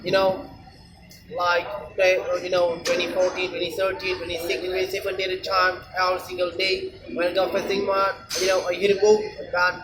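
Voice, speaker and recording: High-pitched Indonesian man, halting and repetitive. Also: completely flat delivery, poor audio. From Indonesia, Aceh. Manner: halting, repetitive, frequent "you know" tags. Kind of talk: rambling casual monologue to camera. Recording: loud music behind the voice.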